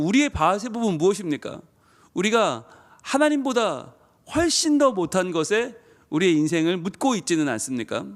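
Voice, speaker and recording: A man preaching a dawn sermon in a high, lively voice that climbs and dips through his rhetorical questions. He slows down to stretch out key words. His delivery is full of pastoral urgency. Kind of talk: sermon at a dawn revival service.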